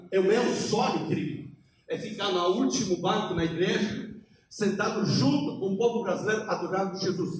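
A man from Poland with a Polish accent preaches an impassioned, emphatic sermon in halting non-native Portuguese. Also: high-pitched. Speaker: missionary preacher. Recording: very echoey hall, distant, faint noise.

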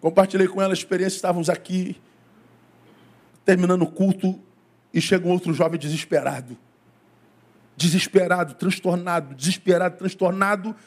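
High-voiced male pastor preaching. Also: steady tone, brisk, pauses often. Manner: preaching with wide swings of pitch and pace, asking the congregation. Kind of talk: sermon. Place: church before a congregation.

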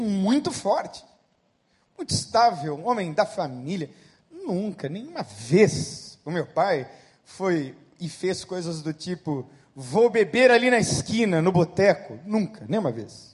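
Swinging from loud, emphatic peaks to quiet stretches of storytelling, a middle-aged pastor from Brazil delivers a sermon. His voice sits high and has a breathy edge.

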